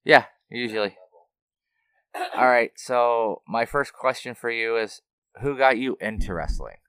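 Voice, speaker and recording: A man hosting a small podcast, asking interview questions in a slightly nervous, halting way. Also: medium pitch, a bit bright, clean tone, no echo. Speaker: podcast host.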